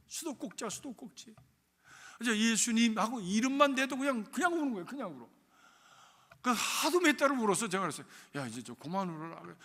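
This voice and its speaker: A middle-aged male pastor preaching a sermon, sweeping from hushed near-whispers up to loud, ringing climaxes. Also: high-pitched. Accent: Korean. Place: church sanctuary. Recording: church hall reverb.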